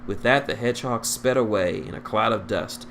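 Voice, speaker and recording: A man's voice: fairly low pitch, moderate pace, gravelly, fairly bright tone. A man reading fan fiction aloud as an amateur narrator, stumbling over words, on a noisy recording.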